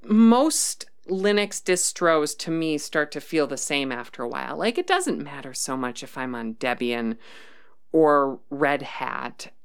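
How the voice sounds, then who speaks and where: Host woman, low clear voice, rambling live chat, thinks aloud. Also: big pitch swings, a little slow. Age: adult, worked as a developer. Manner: thinking aloud, frequent ums and restarts. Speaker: livestream host reading chat. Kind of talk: casual rambling livestream chat.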